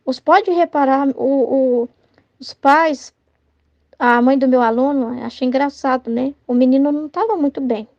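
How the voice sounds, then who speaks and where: A woman's voice: sits high, a little slow, darkish tone, dry recording. A Brazilian woman leading an informal devotional study, chatting casually and tagging her sentences with "né?". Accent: Brazilian Portuguese. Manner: chatty, tags sentences with "né?", acts out everyday dialogue. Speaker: religious study teacher and child tutor. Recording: dull lo-fi dry sound.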